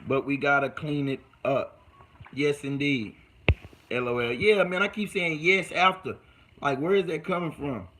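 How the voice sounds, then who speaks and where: A man's voice: fairly high pitch, unhurried, background noise. A young man with a mixed Texas and California accent, talking casually to viewers on a livestream, slangy and calling them y'all. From United States. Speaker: livestream host.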